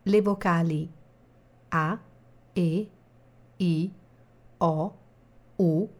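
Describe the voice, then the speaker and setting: Slow, low-voiced female course narrator. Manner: calm, measured translation after each line. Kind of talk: scripted instructional reading.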